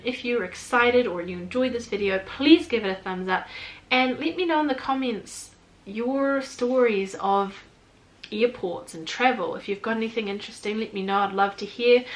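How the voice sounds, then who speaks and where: Kiwi girl vlogging a travel storytime, bit high-pitched, chatty and rambly, says like a lot. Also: rough recording. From New Zealand. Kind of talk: casual storytime chat.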